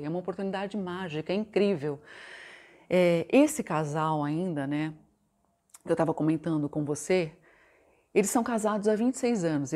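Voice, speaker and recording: A Brazilian woman giving a motivational relationship talk in a conversational way, often asking tag questions and reciting mantras slowly and softly. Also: on the low side. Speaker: self-help and relationship coach.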